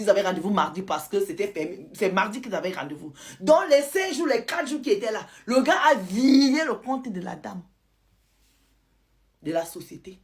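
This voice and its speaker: A woman, telling a listener's story to her audience in a lively, dramatic way. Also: mid-range voice. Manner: lively, retells a follower's account in first person. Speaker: storyteller host.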